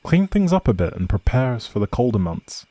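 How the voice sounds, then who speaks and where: A man playing an outlawed prince, a gentle, protective leader, in earnest dramatic roleplay audio with old-fashioned, measured phrasing and a husky, breathy voice. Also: medium pitch, sing-song, no room sound. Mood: resolute, stern.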